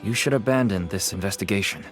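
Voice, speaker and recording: A man's voice: on the low side, fast talker, music in the background, natural voice. A man playing a wary, resigned middle-aged black-market trader in a video game, polite, hesitant and persuasive. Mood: cautious.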